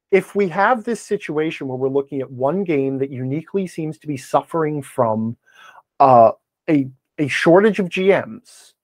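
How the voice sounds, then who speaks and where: A man speaking as a podcast guest, giving opinionated, emphatic explanations in conversation and often checking in with a quick okay or right. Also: high-pitched, darkish tone, no echo. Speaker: podcast guest, game design commentator.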